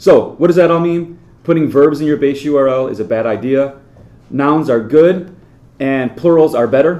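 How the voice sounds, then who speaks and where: Speaking at a moderate pace, a man uses a dark, mellow tone at a fairly high pitch with ordinary pitch variation. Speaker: webinar presenter on API design. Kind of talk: webinar presentation. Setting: online webinar.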